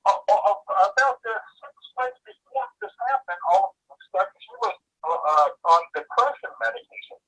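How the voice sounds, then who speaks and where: A man on a distant phone line, high-pitched and very changeable in tone. He rambles anxiously with many halts, and his voice sounds bright but breathy. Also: lively intonation, moderate pace. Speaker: caller.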